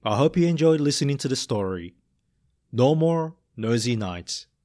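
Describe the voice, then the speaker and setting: A man reading a picture book aloud and running a gentle English vocabulary quiz for children, saying each line in English and then in Japanese. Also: mid-range voice, animated, music in the background. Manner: slow, careful delivery, repeating each point in English then Japanese. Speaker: storybook reader and English teacher.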